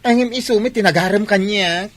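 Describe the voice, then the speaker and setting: A man's voice: high-pitched, fairly quick, fairly bright tone. A man playing an effeminate, flamboyant gay son with an Ilocano accent in a comedy radio drama, given to campy exclamations. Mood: campy protest.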